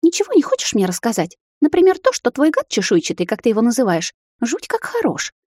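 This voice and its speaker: A woman's voice: fairly high pitch, huge pitch swings, fast talker, darkish tone, breathy edge, dry recording, clean studio sound, pitched above the performer's own voice, heavily acted. A woman voicing the narrator's young sister, agitated and indignant.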